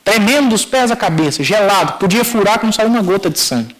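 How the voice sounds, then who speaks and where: A middle-aged Brazilian pastor with a notably high-pitched voice delivers a sermon testimony. He acts out the dialogue in the story and speaks straight to the listeners, calling them brothers. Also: lively intonation, fast, a bit bright, low-quality recording. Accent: Brazilian Portuguese.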